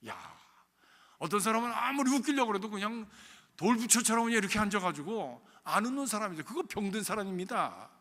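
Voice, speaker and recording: A high-pitched, bright-voiced man preaching a sermon in a church sanctuary. His voice swoops widely, dropping to hushed near-whispers and then climbing to loud peaks. A long hall reverb hangs behind every phrase. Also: sing-song, a little fast. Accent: Korean. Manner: preaching with sweeping rises and hushed drops. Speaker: pastor.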